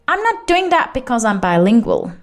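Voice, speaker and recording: A woman's voice: a little high, sing-song, normal speed, soft background music. A woman from Switzerland, Swiss German her first language, speaking English with a Swiss German accent as she hosts a solo podcast in a chatty, rambling way, often correcting herself mid-sentence. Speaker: podcast host.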